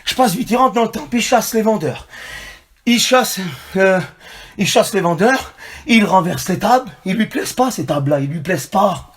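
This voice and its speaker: Man, preacher, very high voice, fiery sermon, repetitive, murmurs then shouts. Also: animated, normal speed, slightly rough. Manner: repeats phrases, swings from low murmurs to shouting.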